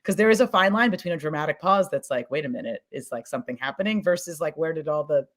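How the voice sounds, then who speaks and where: A woman's voice: deep voice, animated, fast talker. Enthusiastic woman in a panel discussion. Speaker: podcast producer on a panel.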